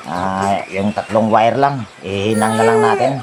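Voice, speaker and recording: An appliance repair technician with a low voice talks to himself as he works, thinking aloud through a casual step-by-step repair tutorial at a slightly slow pace. The outdoor home service job is noisy, with roosters and birds nearby.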